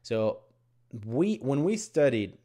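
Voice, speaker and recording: A man's voice: medium pitch, slow pace. Arabic-accented man chatting to camera. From Bahrain. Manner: animated hand gestures, frequent restarts and filler "right?". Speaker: tech YouTuber. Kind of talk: casual talk to camera. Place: home room with bookshelves, indoors. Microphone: desk mic in front of camera.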